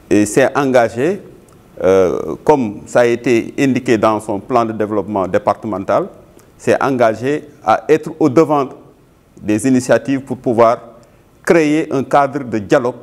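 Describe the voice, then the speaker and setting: Mid-pitched man, halting official statement. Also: darkish tone. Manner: halting, repeats words while searching. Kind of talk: formal interview statement.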